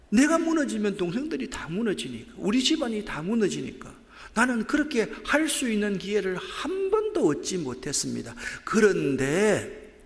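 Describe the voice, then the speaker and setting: A man's voice: high-pitched, vocal fry. Emphatic man preaching in a reverberant church. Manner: emphatic preaching, swings from loud stresses to near-whispers. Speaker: pastor. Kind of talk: sermon. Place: church sanctuary.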